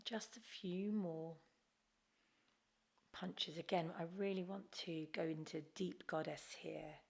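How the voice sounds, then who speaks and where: Female yoga instructor, gentle and encouraging, very unhurried delivery, gravelly fry in the voice. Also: fairly low pitch, steady tone. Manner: gentle, encouraging, unforced guidance. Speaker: yoga teacher. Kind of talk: guided Kundalini yoga class instruction.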